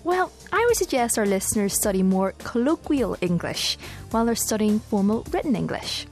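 A woman from Northern Ireland with a Northern Irish accent, co-hosting an English learning programme in clear, explanatory scripted speech. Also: medium pitch, very animated, normal speed, darkish tone, faint music behind. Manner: clear, explanatory, asks co-host questions. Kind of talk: scripted educational presenting.

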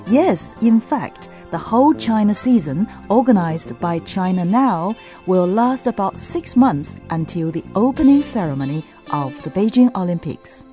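Mellow-voiced woman presenting a lesson. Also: medium pitch, lively intonation, a little slow, hardly any pauses, faint music behind. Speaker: co-host of a language lesson. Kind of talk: scripted radio presenting.

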